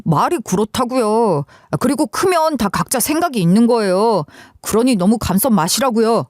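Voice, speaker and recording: A woman's voice: fairly high pitch, animated, moderate pace, a little mellow, dry recording, studio quality, natural voice. A woman voicing an arrogant, contemptuous young man in a dramatized story, with a sneering, dismissive drawl.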